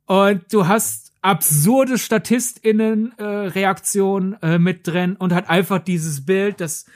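A woman's voice: mid-range voice, takes it slowly. Woman rambling through a film chat. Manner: rambling, self-mocking, lively storytelling. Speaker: podcast co-host.

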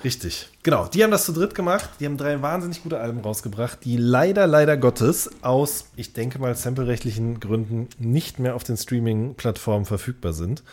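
A man's voice: mid-range voice, a little fast, hardly any pauses. A man chatting casually as a podcast co-host, often repeating short words of agreement. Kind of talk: casual chat.

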